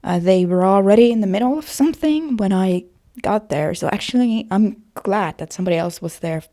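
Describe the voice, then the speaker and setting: A woman talking in a casual personal vlog style, with a creaky voice and a hesitant, self-conscious, rambling manner. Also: medium pitch, brisk, mellow. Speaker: voice actor vlogger.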